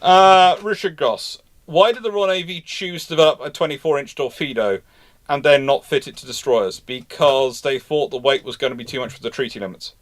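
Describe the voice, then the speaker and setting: A naval history host answers live questions in an unscripted Q&A, speaking emphatically but haltingly. He doubles back and repeats himself to drive points home, in a mid-range voice.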